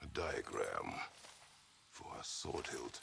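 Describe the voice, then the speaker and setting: Over clear background noise, a man uses a raspy, put-on character voice at an extremely high pitch in a stern tone. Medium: video game. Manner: terse, stern.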